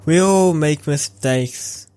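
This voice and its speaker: A man playing an earnest heroic defender in an amateur audio roleplay, with deliberate, theatrical delivery. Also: on the high side, dark tone, slight background noise. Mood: defensive. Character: earnest heroic male defender of a threatened reality.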